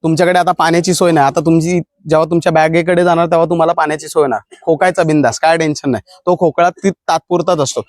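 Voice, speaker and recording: A man coaching a group of women runners outdoors, speaking firmly as he lectures them on how to run, shout and recover. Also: high-pitched, dry recording, clean studio sound. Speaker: police recruitment fitness coach.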